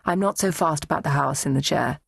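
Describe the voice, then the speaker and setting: A woman voicing a proud, sharp-tongued elderly mother who needles her grown daughter in an arch, dry way. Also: deep voice, a little fast, vocal fry, slightly rough, no room sound, heavily acted. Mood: insistent. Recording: dry, close studio read.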